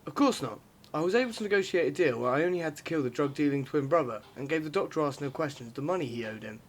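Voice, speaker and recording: Fast-talking, matter-of-fact vigilante ex-cop played by a man. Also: on the high side, lively intonation. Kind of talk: amateur audio drama acting.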